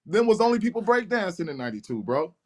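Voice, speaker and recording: A man's voice: high voice, very animated, rapid-fire, a little mellow. A man in his forties hosting a hip hop podcast, arguing his opinions bluntly and often repeating words. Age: 40s. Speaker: podcast host. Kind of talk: casual chat.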